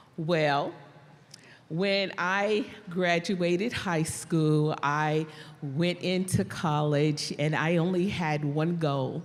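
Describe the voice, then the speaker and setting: Very slowly, a woman with a fairly low pitch speaks in an American accent, with very even loudness, fairly even intonation and audible room echo. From California. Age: 60s. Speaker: student commencement speaker. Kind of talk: commencement speech. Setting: stage with audience.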